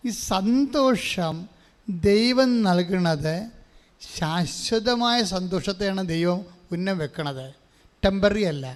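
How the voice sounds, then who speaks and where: A man preaching a sermon. He quizzes the congregation and has them repeat scripture after him, and drops English phrases into his talk. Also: high-pitched. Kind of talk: sermon with call-and-response. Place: large church hall. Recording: long hall reverb.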